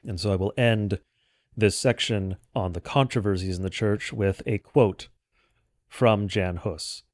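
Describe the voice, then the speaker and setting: A man delivering an explanatory history lecture in a measured, didactic way with formal phrasing. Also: lowish voice. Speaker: host of a church history podcast. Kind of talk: explanatory lecture, semi-scripted narration.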